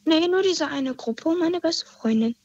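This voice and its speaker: A woman's voice: very high-pitched, lively intonation, moderate pace, a little mellow, no echo. A young woman calling in to a radio show, telling her story hesitantly with many fillers. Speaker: caller. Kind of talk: phone-in story. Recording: muffled phone line.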